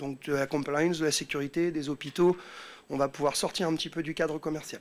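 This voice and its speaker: A man talks at a fairly quick pace in a fairly high, monotone, flat voice. The recording is very clean, with a silent background. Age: 40s. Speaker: business speaker presenting a training tool. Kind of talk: sales pitch presentation. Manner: hesitant, many 'euh' fillers.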